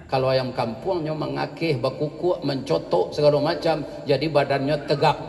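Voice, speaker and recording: Minang guy preaching, kinda high voice, lots of "right?" to the crowd, big echoey hall. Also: a little hiss or hum. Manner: lively, addresses the crowd with tag questions. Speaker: Islamic preacher. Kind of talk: sermon with storytelling and jokes. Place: large hall with a congregation. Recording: echoey hall with long reverb.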